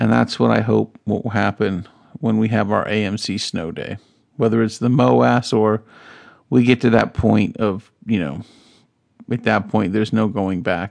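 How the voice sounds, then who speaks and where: A man speaks at a fairly low pitch with vocal fry. His pitch varies in an ordinary way against a quiet background. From North Carolina, US South. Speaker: podcast host. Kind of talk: solo podcast monologue.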